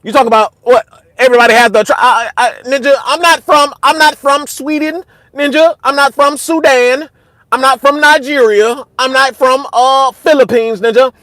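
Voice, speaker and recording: A young man hosting a casual livestream, talking back to his chat in a heated, repetitive way that gets loud and high when he is worked up. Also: moderate pace, dry recording, studio quality. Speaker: host.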